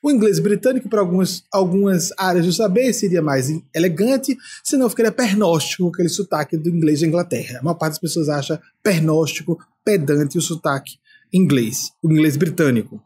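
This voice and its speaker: A man's voice: fairly high pitch, animated, brisk, a little mellow, slight background noise. An older man from Brazil, a spiritual leader giving an emphatic talk full of rhetorical questions.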